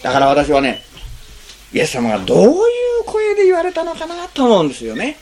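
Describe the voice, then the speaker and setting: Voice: medium pitch, huge pitch swings, a little fast, darkish tone, a little hiss or hum. A pastor giving a conversational sermon, asking the congregation rhetorical questions and acting out short spoken lines. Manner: acts out short spoken lines in changing tones.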